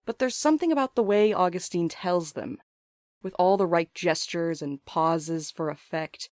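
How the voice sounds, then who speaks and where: A woman acting in an audio drama as a wry, articulate character, speaking in a dry, measured way. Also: on the low side, darkish tone, no room sound, lightly acted. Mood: confiding, uneasy. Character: wry, blunt postal worker, also a reflective letter-writing ghostwriter. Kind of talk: audio drama dialogue and monologue.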